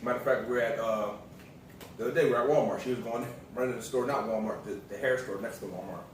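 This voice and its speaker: A man telling stories in casual chat with his partner, relaxed and rambling, full of fillers. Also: medium pitch, quick pace, a little hiss or hum. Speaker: vlogger's partner. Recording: echoey room, mic at a distance.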